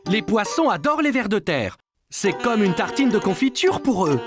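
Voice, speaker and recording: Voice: mid-range voice, big pitch swings, moderate pace, music in the background, close to an everyday voice. An actor voicing a patient, kindly father in a French children's cartoon, explaining things simply and reassuringly.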